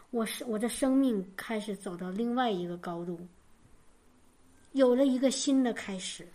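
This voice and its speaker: Woman preacher, high register; fervent sermon delivery with hammered repetitions and stumbling restarts. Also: darkish tone. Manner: fervent, repeats key phrases for emphasis; frequent stammered restarts. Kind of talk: sermon with personal testimony.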